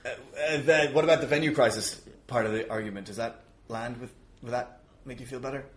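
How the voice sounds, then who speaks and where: This podcast guest, a wrestling show promoter, has a medium-pitched, fairly bright voice and talks fairly quickly. He plays an improvised comedic argument, apologizing and hesitantly trying to placate the other person.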